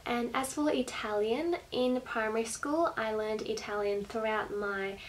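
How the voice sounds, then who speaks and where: A woman's voice: on the high side, steady tone, measured pace, a little hiss or hum, low-quality recording. Chatty young Australian woman vlogging. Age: young adult. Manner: friendly, chatty, with soft laughs. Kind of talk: casual talk to camera. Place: small bright bedroom, indoors. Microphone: camera at desk distance.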